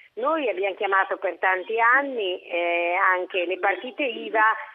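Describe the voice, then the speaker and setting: Her pitch sits at a medium level for a woman. Behind her, background noise is noticeable. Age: 60s. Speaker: pension institute executive. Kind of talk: radio interview.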